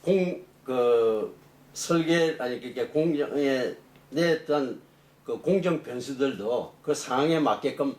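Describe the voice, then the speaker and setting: A middle-aged man, a professor being interviewed, explaining technical matters off the cuff in a halting way. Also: medium pitch, darkish tone. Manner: halting, explanatory, rephrasing as he goes. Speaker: engineering professor, interview guest. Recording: echoey room, distant mic, faint noise.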